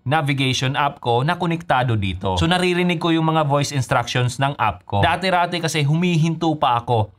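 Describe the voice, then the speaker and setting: A man's voice: on the high side, expressive, fairly quick, hardly any pauses. A man with a Filipino accent giving a scripted motorcycle gear review as a vlogger, mixing in English phrases. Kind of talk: scripted review narration with Taglish code-switching.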